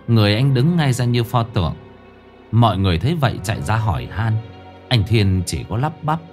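A man tells a ghost story in a low, lively voice that dips and climbs with the drama. His delivery is expressive and measured. Faint music runs beneath.

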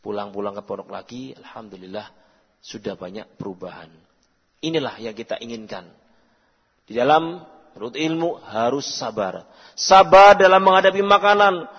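A man giving an Islamic study lecture as an ustadz at a boarding school, preaching in an animated way and acting out short scenes. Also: mid-range voice, normal speed, long pauses, slightly rough. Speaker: ustadz teaching at a pesantren. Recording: muffled recording with long hall reverb.

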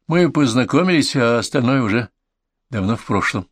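A man voicing a warm, open young woman from a farm, lifting his voice for her. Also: animated, normal speed, no echo, clean studio sound, natural voice. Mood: wistful. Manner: higher, lighter voice for a young woman.

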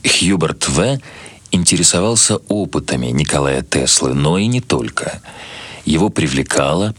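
A man's voice: extremely low pitch, a bit bright, dry recording. A man reading literary prose aloud as a narrator, in a scripted storytelling style. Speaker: narrator, reader.

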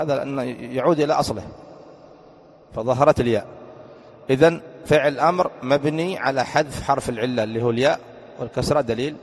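A man, a sheikh, teaching an Arabic grammar class, repeating each point and quizzing his students with questions. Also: mid-range voice. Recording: long hall reverb.

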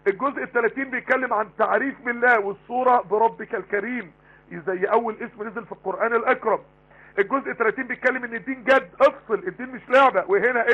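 A man with an Egyptian Arabic accent giving a live online Quran lesson, talking rapidly and emphatically with many rhetorical questions. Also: extremely high pitch, breathy edge. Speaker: Quran teacher. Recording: tinny phone-line broadcast.

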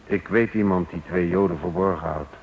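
A man plays a furtive, greedy informer in a radio play, low-voiced and halting. He sounds as if in a long, reverberant hall, on a dull old recording. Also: slight background noise, natural voice. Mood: furtive, hesitant. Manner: hesitant, halting. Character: furtive, greedy male informer betraying people for reward. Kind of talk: radio drama acting.

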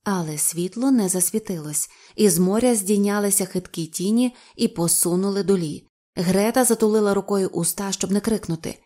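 A woman narrating an audiobook with an even, expressive reading. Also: mid-range voice, normal speed. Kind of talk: storybook narration.

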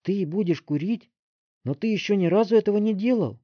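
A worried teenage boy, voiced by a male reader, higher than the narrator and plaintive. The reading is dry, close and slightly dull. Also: animated, fast talker, no echo. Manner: plaintive, pleading.

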